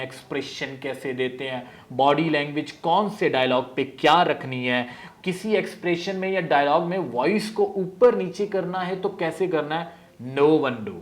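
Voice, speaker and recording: A man with a Pakistani Urdu accent, an acting teacher talking casually and quickly to camera, mixing in English words. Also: fairly high pitch. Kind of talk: casual promotional talk to camera.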